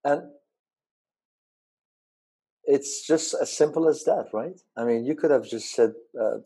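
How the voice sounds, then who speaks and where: A man hosting an interview, speaking haltingly with many pauses, restarts and tag questions. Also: mid-range voice, dark tone, breathy edge. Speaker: interview host. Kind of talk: conversational interview.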